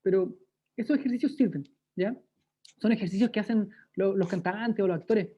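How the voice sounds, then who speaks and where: At a moderate pace, a woman's warm, mid-range, slightly rough voice guides a lively online speaking workshop. She has a Chilean accent, demonstrates exercises, and frequently checks in with listeners, all over dull, lo-fi video call audio.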